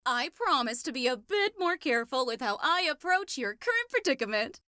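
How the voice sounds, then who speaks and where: Woman playing an eager, high-voiced lady scientist. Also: big pitch swings, fairly quick, sharp tone, clear, resonant tone, dry recording, studio quality, exaggerated voice. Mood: matter-of-fact. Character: Doctor Virtua, eager, nosy, kindly woman scientist.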